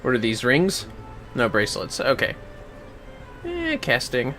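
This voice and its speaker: A man's voice: medium pitch, huge pitch swings, unhurried, pushed and bright, faint music behind. A man giving casual, offhand game livestream commentary, muttering asides to himself as he plays. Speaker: game streamer.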